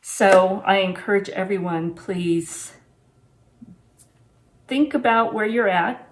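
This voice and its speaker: A woman's voice: medium pitch, takes it slowly, slight background noise. A woman in her sixties talking casually and unscripted to camera in a home kitchen, plain-spoken and reflective, like a vlogger giving practical advice. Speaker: homesteading vlogger reviewing gear and giving advice.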